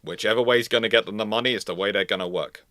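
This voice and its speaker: A man's voice: lowish voice, very fast, pushed and bright, no echo, studio quality. A man hosting a live question-and-answer on naval history, explaining in a rambling way and often restarting his phrases. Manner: rambling, repeats and restarts phrases mid-sentence. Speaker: host of a live Q&A show.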